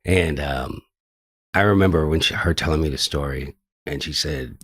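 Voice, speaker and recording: A man's voice: rumbling low, normal speed, a bit bright, breathy edge, dry recording, clean studio sound. An older American man telling his life story as a podcast guest, rambling loosely with lots of fillers and the odd swear word. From United States. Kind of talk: casual interview storytelling.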